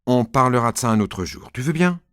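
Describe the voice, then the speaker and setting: A man's voice: mid-range voice, expressive, a little fast, fairly bright tone, no echo, studio quality, natural voice. A man voicing a tired, distracted father in a storybook reading, brushing things off in an absent-minded way.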